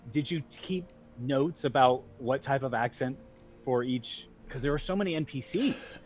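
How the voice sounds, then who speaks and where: A man's voice: mid-range voice, moderate pace, soft background music. Upbeat man hosting a cast chat. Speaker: host.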